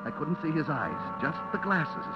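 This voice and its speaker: In a lo-fi old radio broadcast backed by dramatic music, a slightly high, sing-song male voice at a moderate pace plays a guilty, terrified man hunted by a vengeful butcher. The first-person narration follows 1940s-50s suspense acting, breathless and dramatic, veering from hushed dread to frantic cries. The mood is haunted and tense.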